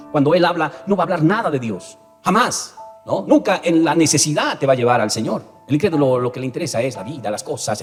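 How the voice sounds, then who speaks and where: A pastor preaching a sermon, often turning to the congregation with rhetorical questions. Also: male voice, mid-range voice, big-room sound. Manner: preaching with frequent direct address and rhetorical questions.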